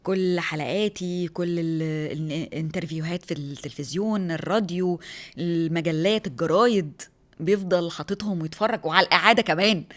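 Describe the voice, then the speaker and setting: A woman in her thirties with an Egyptian Arabic accent, a rally driver telling her story in a lively, excitable way as an interview guest. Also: fairly low pitch, brisk. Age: 30s. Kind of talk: casual interview talk.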